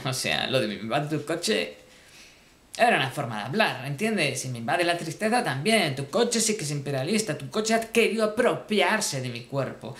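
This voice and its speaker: Male comic, frantic and repetitive, high-ish voice, roomy echo. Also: fairly bright tone. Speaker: comedian. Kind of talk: absurd comic monologue.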